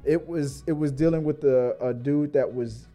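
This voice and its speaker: A man in his forties hosting a casual podcast chat, talking haltingly with lots of fillers and restarts. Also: fairly high pitch, mellow, soft background music. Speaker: podcast host.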